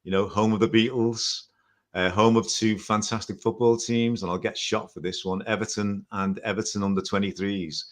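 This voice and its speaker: A man's voice: lowish voice, level tone, normal speed. Chatty older Liverpool man. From Liverpool, England. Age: 60s. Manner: chatty, rambling, self-correcting with light jokes. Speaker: guest. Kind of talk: casual storytelling interview.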